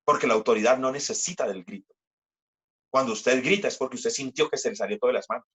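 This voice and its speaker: Deep-voiced pastor preaching slowly. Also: male voice, fairly bright tone, breathy edge. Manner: slow, emphatic scripture reading with repeated phrases. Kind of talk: sermon.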